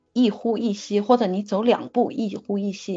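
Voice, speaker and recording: A woman's somewhat breathy voice, fairly high in pitch, at a moderate pace. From China, Guizhou province. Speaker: paragliding and hiking enthusiast. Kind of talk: casual interview chat.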